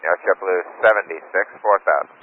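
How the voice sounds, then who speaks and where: A man's voice: deep voice, fairly quick. A man working as a pilot, easygoing in brief radio replies. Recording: tinny aviation radio with faint noise.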